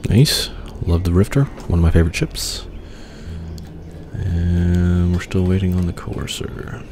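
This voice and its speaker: A man's voice: sits low, level tone, measured pace, noisy background. A man with a cold hosting a casual video game playthrough, rambling easygoing talk with lots of filler. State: stuffed up with a cold. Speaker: let's play host. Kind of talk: casual gameplay commentary.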